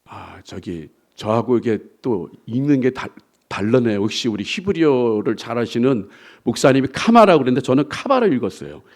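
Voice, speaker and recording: A man's voice: mid-range voice, very animated, moderate pace, darkish tone. A male pastor preaching a sermon, asking the congregation to repeat after him and acting out the complaints of believers. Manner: acts out complaining believers in quoted voices.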